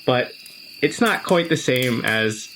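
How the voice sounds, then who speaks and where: A man's voice: mid-range voice, animated, takes it slowly, a bit bright, slight background noise. A man playing a tabletop role-playing game, improvising third-person narration of his character with dry, wry humor.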